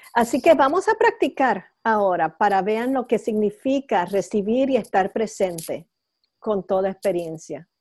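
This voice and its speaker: A woman's fairly high pitch, an ordinary speaking voice, lively intonation and a fairly slow pace against a quiet background. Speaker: meditation teacher. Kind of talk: guided meditation. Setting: video call. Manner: slow, calm, gentle, unhurried with pauses.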